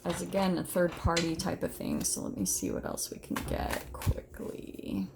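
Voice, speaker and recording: A woman's voice: lowish voice, big pitch swings, normal speed, creaky, background noise. A woman giving a casual, unscripted tarot reading, talking informally and directly to her viewers with emphatic, conversational phrasing. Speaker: tarot reader, host of an online reading.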